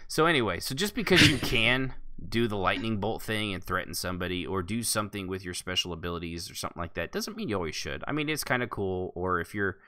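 Low-ish bright voiced guy rambling n joking on a gaming podcast. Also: lively intonation, fast, few pauses. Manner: rambling, joking, laughs often. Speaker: podcast host. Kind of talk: casual roleplay podcast chat.

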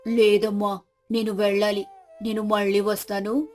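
A woman voicing a calm, commanding older village mother-in-law. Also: medium pitch, measured pace, pitched below the performer's own voice, lightly acted. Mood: firm. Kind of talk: moral storybook character voice. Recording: music behind the voice.

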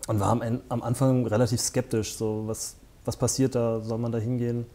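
A man's voice: mid-range voice, flat delivery, brisk, mellow. A man in his forties from northern Germany, a guest speaking in a studio interview, hesitant with many fillers and restarts, on a lapel mic. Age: 40s. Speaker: interview guest, festival founder. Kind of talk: conversational interview. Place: small studio set with armchairs.

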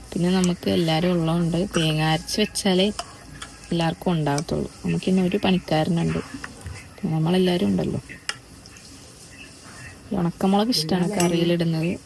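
A young woman talks casually through her daily routine, like a family vlogger keeping viewers company. Her voice sits on the lower side for a woman, and she keeps breaking off to speak straight to her audience. A faint ambient hum runs behind her. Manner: chatty, often turns to viewers with asides. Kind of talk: casual day-in-my-life narration.

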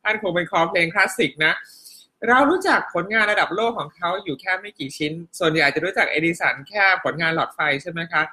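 A woman's voice: fairly low pitch, lively intonation, quick pace, slightly rough. A middle-aged woman teaching a casual live online class, chatting and reading viewers' comments aloud in a friendly teacher's manner. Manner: chatty, warm teacher tone, polite particles, frequent laughs. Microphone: home live-stream setup.

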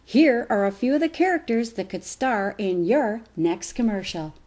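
A woman's voice: fairly high pitch, moderate pace, darkish tone. A woman reading a scripted promo as a voice artist. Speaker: voice artist and narrator.

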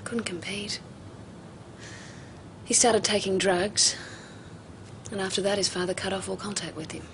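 An actress playing a psychiatrist who speaks calmly and patiently. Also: female voice, medium pitch. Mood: measured, gentle. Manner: calm, measured, explaining patiently. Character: calm, measured female psychiatrist, middle-aged. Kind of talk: television drama acting. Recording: noisy TV soundtrack.

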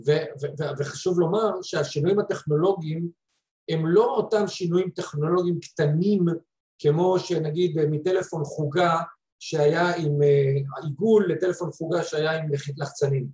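A man's voice: on the high side, fairly even intonation, darkish tone, roomy sound. A man speaking emphatically, explaining his points in an online panel discussion over a video call.

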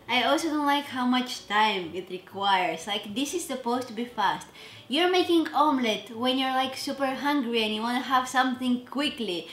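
A woman with a slightly high, fairly bright voice chats casually and pokes fun at herself while cooking for a vlog, sometimes trailing off mid-sentence. The sound is reverberant, as she's recording in her home kitchen.

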